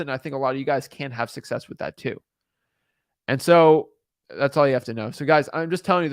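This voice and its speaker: Recorded dry at studio quality, a young man with a slightly high voice offers real estate wholesaling tips straight to camera. His casual delivery rambles, circles back on itself, and is littered with fillers and restarts.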